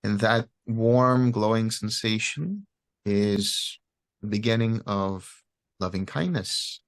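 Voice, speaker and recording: Slow, low-voiced man guiding meditation. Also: no echo. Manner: gentle, unhurried, pausing between short phrases. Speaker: meditation teacher. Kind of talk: guided meditation instruction.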